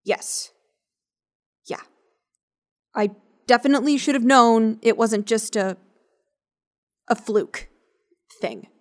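A woman's voice: fairly high pitch, takes it slowly, long pauses. An actress playing a flippant, awkward woman scientist in an audio drama, with a casual, slangy, blurting manner. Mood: awkward, apologetic. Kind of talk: naturalistic audio drama acting.

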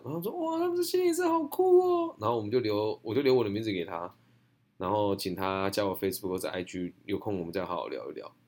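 A young man with a Taiwanese Mandarin accent, answering audience questions in a blunt, slangy, chatty way. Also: lowish voice. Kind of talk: casual Q&A monologue.

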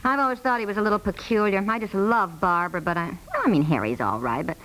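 An actress playing a practical, soothing married housewife in a naturalistic 1950s radio comedy-drama. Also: female voice, medium pitch, animated, quick pace, a bit bright, close to an everyday voice, rough recording. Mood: reassuring. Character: practical, chatty married housewife and mother, gently apologetic.

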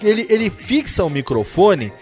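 A man hosts a podcast chat, telling jokes and teasing his guest in an animated way. His voice sits a little high, with faint music underneath. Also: moderate pace. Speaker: podcast host.

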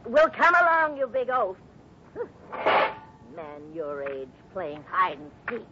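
A woman's voice: sing-song, slow, highs cut off. A woman playing a tiny, scolding, exasperated old lady in a 1950s radio drama. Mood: bossy, scolding. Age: older. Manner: scolding, bossy, old-fashioned exclamations. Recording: noisy, rumbling 1950s radio recording.

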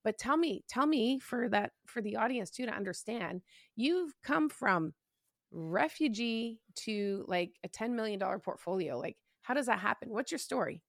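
A woman hosting a podcast interview, excitable and chatty, with lots of fillers and restarts. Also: a little high, normal speed, gravelly, no echo, clean studio sound. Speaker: podcast host. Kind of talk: casual interview chat.

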